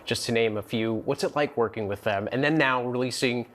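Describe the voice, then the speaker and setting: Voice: medium pitch, fairly quick. A TV news host asking questions in a studio interview, with polished, upbeat delivery. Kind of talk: broadcast interview hosting.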